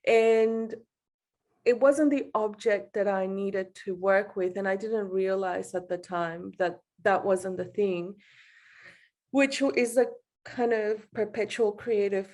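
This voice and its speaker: A woman from El Salvador giving an informal, personal artist's talk over a video call, halting and self-deprecating, often laughing as she speaks. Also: mid-range voice, fairly even intonation, darkish tone. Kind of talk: informal personal reflection in an online panel.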